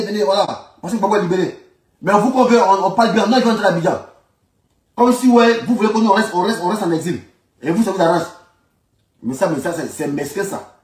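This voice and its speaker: The speaker is an Ivorian man with an Ivorian accent giving an informal, combative political rant full of emphasis and repetition. His voice is slightly high and a little mellow, and the room gives it a noticeable echo.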